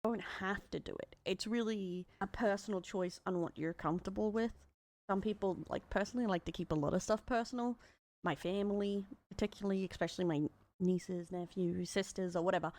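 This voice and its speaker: A woman's voice: mid-range voice, steady tone, brisk, darkish tone, no echo. A woman with an Australian accent giving casual, rambling streaming commentary.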